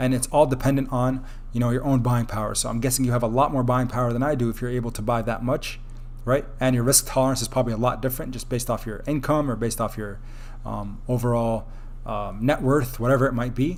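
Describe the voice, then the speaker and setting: In a room with audible echo, a man of medium pitch speaks at a very fast pace. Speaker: crypto YouTuber. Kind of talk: live stream chat reading super chats. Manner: fast when excited; animated.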